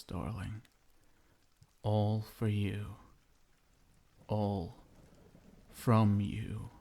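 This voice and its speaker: Vampire husband, male actor, ASMR roleplay: obsessive and doting with menace underneath, dark mellow tone, gravelly fry, hushed intimate delivery. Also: on the low side. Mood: coaxing, adoring. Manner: hushed, crooning, lingering pauses, tender pet names. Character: possessive, lovestruck yandere vampire husband, menacing yet doting.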